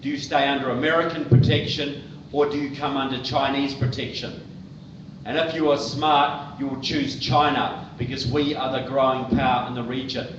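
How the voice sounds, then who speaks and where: A man's voice: medium pitch, level tone, normal speed. A man from New Zealand with a New Zealand accent, giving a plain-spoken political speech to a live audience in a church hall. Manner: plain-spoken, direct, addresses the crowd with "look" and "folks". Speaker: guest speaker. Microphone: far-off tablet recording. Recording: roomy, distant, muffled tablet recording with noise.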